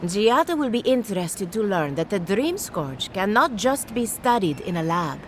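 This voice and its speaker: A woman's voice: mid-range voice, big pitch swings, normal speed, slight background noise, close to an everyday voice. An actress playing an eccentric, condescending woman researcher who studies people like specimens, in a theatrical, clinical manner. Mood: brisk, clinical. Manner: theatrical, clinical, patronizing, sing-song. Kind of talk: video game character dialogue.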